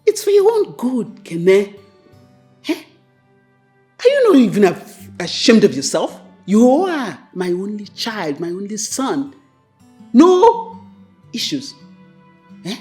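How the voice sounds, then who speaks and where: A domineering middle-aged mother, played by an actress, scolds in a slow, deliberate drawl that swings widely up and down. Her voice sits a little low for a woman. The room is echoey, with faint music underneath. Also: big pitch swings, heavily acted. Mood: scolding. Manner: scolding, bossy. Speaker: actor. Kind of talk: melodrama acting.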